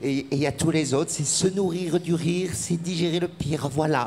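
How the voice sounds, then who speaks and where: Over background music, a man with a southern French accent speaks at a moderate pace, fairly high in pitch, with very even loudness. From southern France. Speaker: comedian. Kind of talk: casual interview. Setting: festival dressing-room studio. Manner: animated.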